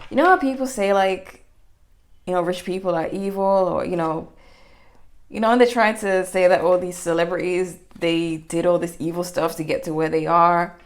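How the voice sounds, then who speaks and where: Low-voiced woman doing a rambling tarot reading. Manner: rambling, many fillers and restarts. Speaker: tarot reader. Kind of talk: general tarot reading, casual monologue.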